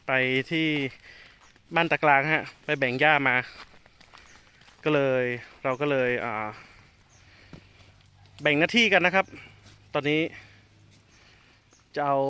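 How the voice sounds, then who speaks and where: A man's voice: fairly high pitch, takes it slowly, pauses often, smooth. A man keeping elephants, chatting to viewers in a casual outdoor vlog. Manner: chatty, addresses viewers, calls animals loudly. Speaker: elephant keeper and channel host.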